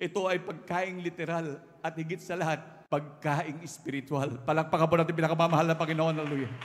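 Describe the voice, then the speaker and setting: A man's high-pitched voice moves along at a fairly quick pace. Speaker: church preacher. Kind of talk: sermon with prayer and call-and-response. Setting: church with congregation. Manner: animated, exhortative, repeating 'minamahal' and 'hallelujah'; leads crowd shouting and clapping. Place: church. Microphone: handheld.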